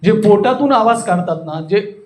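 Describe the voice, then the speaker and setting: A man's voice: high voice, animated, normal speed, a little mellow. A man with a Marathi accent teaching an interactive public speaking workshop, demonstrating and often checking understanding with questions.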